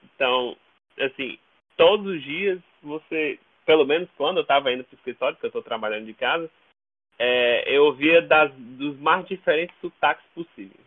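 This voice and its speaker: A man's voice: on the high side, normal speed. A Brazilian man chatting casually as an interview guest, often repeating words as he searches for the next. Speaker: podcast guest. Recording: narrow, tinny phone-like call audio.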